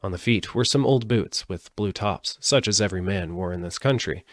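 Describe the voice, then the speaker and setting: A man's voice: sits low, normal speed, no echo. A man narrating a storybook aloud as a live audiobook reader.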